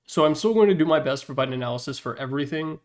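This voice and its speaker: A man's voice: fairly high pitch, lively intonation, racing. A man giving casual, opinionated video game commentary as a presenter, speaking informally with slangy emphasis. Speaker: presenter ranking game announcer packs.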